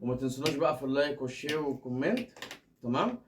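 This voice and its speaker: A man's voice: mid-range voice, animated, very fast, background noise. A man with an Egyptian Arabic accent co-hosting a family unboxing video in playful banter. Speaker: family channel co-host. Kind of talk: casual unboxing chat.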